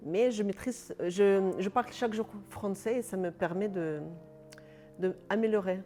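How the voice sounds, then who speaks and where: A woman's voice: medium pitch, moderate pace, mellow, faint music behind. A Russian-born woman speaking as an interview guest, with a Russian accent and simple, direct phrasing as a non-native speaker. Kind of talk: casual interview chat.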